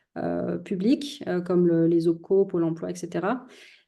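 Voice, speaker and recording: A dark, mellow tone over a quiet background. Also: woman. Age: 30s. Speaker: entrepreneur and trainer in Web3 and AI. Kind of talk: casual interview chat.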